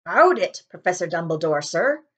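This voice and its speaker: A woman voicing a huge, shaggy, soft-hearted giant man in a storybook, simple and deferential. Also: lowish voice, very animated, moderate pace, breathy edge. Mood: respectful.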